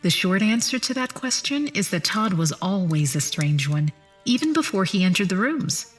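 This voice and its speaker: An actress playing a composed, polite immortal attendant in an audio drama, speaking precisely and courteously with a guarded patience. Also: female voice, medium pitch, sing-song, normal speed, faint music behind, lightly acted. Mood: patient, courteous.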